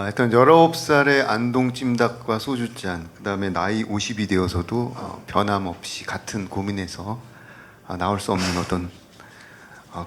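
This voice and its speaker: Thoughtful male radio host. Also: fairly low pitch. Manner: thoughtful, many "ah" fillers. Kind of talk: hosting a literary radio show. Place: public radio broadcast stage.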